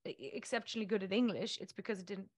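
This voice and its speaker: Animated woman on a video call. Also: mid-range voice, rapid-fire, no room sound, studio quality. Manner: animated, gestures while talking. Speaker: guest. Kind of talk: casual conversation. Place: home room, indoors. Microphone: earphones on a video call.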